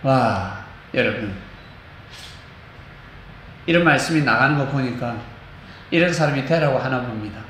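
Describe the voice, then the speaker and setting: A man preaching a sermon as pastor, animated, acting out quotes and singing bits of hymns. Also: medium pitch, measured pace, long pauses. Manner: animated, acts out quotes, sings snatches of hymns. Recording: echoey church hall, faint noise.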